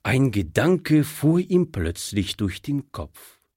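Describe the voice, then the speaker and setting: A man narrating a story in a measured, expressive reading. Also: medium pitch, husky, no room sound, clean studio sound. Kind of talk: scripted audiobook narration.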